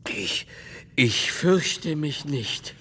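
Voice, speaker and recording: An actor playing a solemn, learned medieval monk in a radio play, speaking in a formal, pondering and deliberate manner. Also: male voice, on the high side, animated, bright, forceful tone, breathy edge, heavily acted. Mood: wary.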